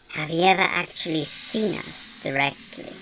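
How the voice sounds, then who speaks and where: A man's put-on character voice at a high pitch and moderate pace. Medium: read story. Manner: petulant, derisive.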